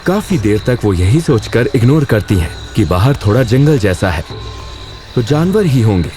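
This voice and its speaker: A man's voice: mid-range voice, big pitch swings, moderate pace, mellow, faint music behind. A man reading a scripted spooky bedtime story as its narrator.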